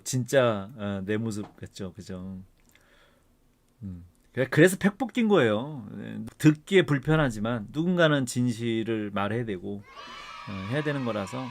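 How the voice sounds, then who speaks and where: Casting: middle-aged male art professor, lively swooping pitch, fired-up lecturing that sinks to calm remarks. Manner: heated ranting that drops to soft asides. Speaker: art professor and channel host. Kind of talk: casual lecture to camera.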